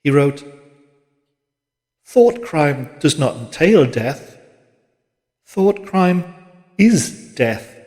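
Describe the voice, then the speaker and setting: A man reading literary fiction as an audiobook narrator, in a measured, dramatic manner. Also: fairly high pitch, big pitch swings, a little mellow. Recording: long reverberant hall-like echo.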